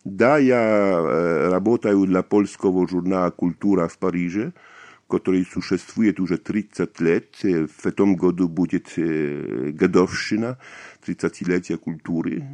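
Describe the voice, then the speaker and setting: A man's voice: sits low, a little slow, a little mellow. A man in his fifties, a native Polish speaker with a Polish accent, answering interview questions hesitantly with many fillers and restarts. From Poland. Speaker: interview guest, writer.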